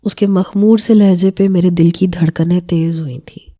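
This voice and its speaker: A woman telling a first-person romantic story in scripted narration, with a measured, emotional delivery. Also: on the low side, fairly even intonation, mellow.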